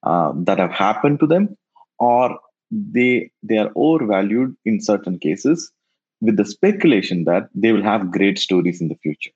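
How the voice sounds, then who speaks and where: A man whose first language is Tamil, answering interview questions in a halting way and often repeating words as he thinks. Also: fairly low pitch, sing-song, a little mellow, slightly rough. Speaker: guest, NFT investor. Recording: dull lo-fi sound.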